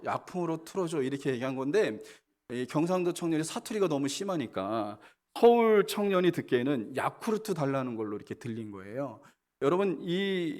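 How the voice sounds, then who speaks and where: A man, a senior pastor, preaching a sermon that opens with a story and speaks directly to the congregation. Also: a little high. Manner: storytelling, animated delivery, addresses congregation directly.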